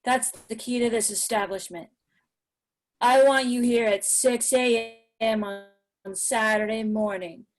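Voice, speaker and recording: A sleazy burger-joint boss read by a woman, blunt and bossy, barking orders in a fairly high voice. The lines come from a film script being read aloud at a table read. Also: fairly even intonation, unhurried, lightly acted. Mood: lecturing. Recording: online video call table read.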